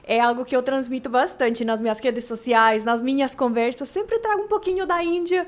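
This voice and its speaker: Mexican woman speaking Portuguese, high voice. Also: moderate pace. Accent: Mexican Spanish. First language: Spanish. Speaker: podcast guest, business consultant. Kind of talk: casual interview conversation.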